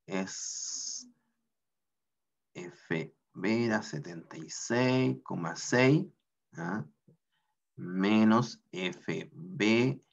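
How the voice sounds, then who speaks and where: A man's voice: fairly low pitch, vocal fry, dull audio. A man teaching a mechanics class online, working through equations step by step and often checking in with a questioning "ah?".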